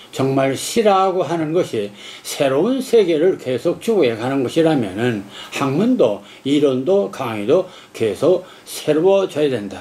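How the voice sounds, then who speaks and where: With noticeable background noise, a man with a fairly high pitch speaks at a fairly slow pace, his pitch swinging very widely. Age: 80s+. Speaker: retired professor and poet lecturing. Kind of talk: lecture. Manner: halting, with many filler sounds.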